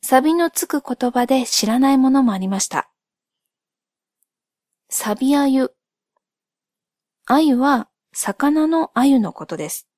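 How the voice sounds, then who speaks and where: Softly spoken woman, dry close sound, unhurried. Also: high voice, no room sound. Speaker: host of a solo spoken channel.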